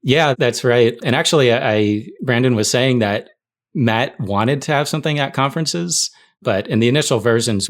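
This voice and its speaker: A middle-aged man speaking as a podcast guest, recollecting work stories in a casual conversational way. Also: medium pitch. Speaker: podcast guest, tech writer.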